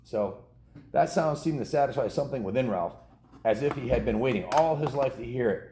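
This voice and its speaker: A man's voice: medium pitch, a little fast, warm tone, slight background noise. A man casually reading a children's novel aloud, ad-libbing informal asides to kids in a home setting. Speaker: storybook reader. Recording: roomy, echoing indoor sound.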